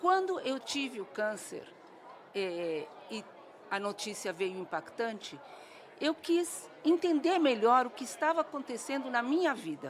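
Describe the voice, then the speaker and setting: A woman with a high voice speaks at a fairly slow pace, her pitch swinging very widely between long, frequent pauses. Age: 60s. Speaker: cancer patient in remission. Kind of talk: testimony. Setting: congress, live podcast.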